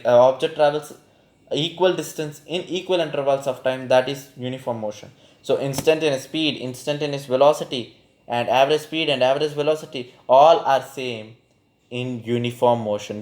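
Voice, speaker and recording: Male physics tutor, South Asian accent, mid-pitched, informal and repetitive for emphasis, recorded in an echoey room. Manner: poses student questions and answers them himself; repeats phrases for emphasis. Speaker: physics teacher. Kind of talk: informal spoken lesson.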